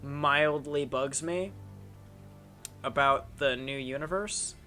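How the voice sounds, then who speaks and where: A man's voice: fairly high pitch, slow, sharp tone, soft background music. A young man hosting a casual chat, rambling with lots of fillers and restarts. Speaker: channel host.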